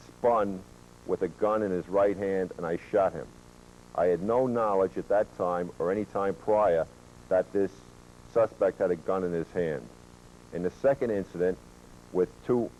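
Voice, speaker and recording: A man who is a police officer giving a training lecture, presenting statistics in a measured way with occasional fillers, heard from a worn VHS tape copy. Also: low voice, mellow, rough recording. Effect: worn VHS tape copy with hum.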